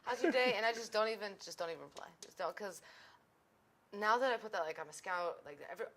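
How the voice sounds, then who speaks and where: A woman's voice: mid-range voice, fast, a bit bright. A woman guest in a casual talk show conversation, chatty and quoting others in dramatized voices.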